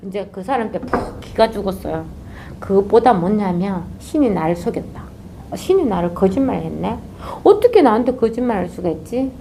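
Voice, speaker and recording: Animated woman. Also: mid-range voice, moderate pace, a little hiss or hum. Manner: animated, acts out characters. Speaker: Zen meditation teacher. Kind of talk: dharma talk with storytelling.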